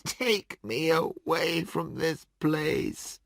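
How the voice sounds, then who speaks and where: Man voicing an old miser, anguished, high strained pleading, slow delivery. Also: very animated, creaky, pushed and bright, no echo, full character voice.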